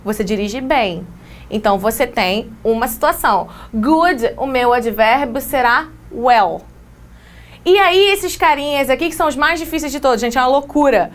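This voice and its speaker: A woman with a Brazilian Portuguese accent teaching an English grammar lesson, explaining with quick examples and playful asides. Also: high-pitched, animated. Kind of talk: exam-prep grammar lesson.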